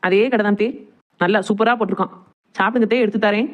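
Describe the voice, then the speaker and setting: A woman's voice: mid-range voice, fairly even intonation, highs cut off, faint music behind, lightly acted. A woman voicing a chatty, teasing young village daughter-in-law in a cartoon, coaxing her elders in Tirunelveli Tamil dialect. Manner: rapid, chatty, cajoling dialect speech. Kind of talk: cartoon family comedy dialogue.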